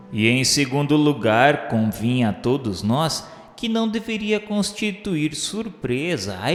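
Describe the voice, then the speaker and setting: A man with a Brazilian accent acting as a solemn, remorseful scholar's spirit, narrating a radio drama in measured, literary phrasing. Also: medium pitch, lightly acted. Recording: echoey hall reverb under music. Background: music.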